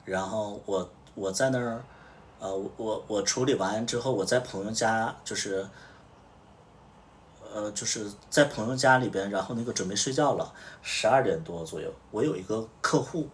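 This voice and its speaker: Low-voiced man telling a story on a livestream. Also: normal speed, far from the mic, a little hiss or hum. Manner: recounts events through reported dialogue. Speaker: livestream host.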